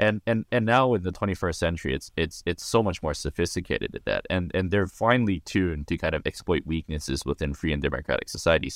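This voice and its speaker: Very fast and lively in intonation, a man speaks with a very deep, low pitch on a very clean recording with a silent background. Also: dry, close sound with no echo. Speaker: politician, former diplomat. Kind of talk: interview. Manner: halting, many fillers and repetitions.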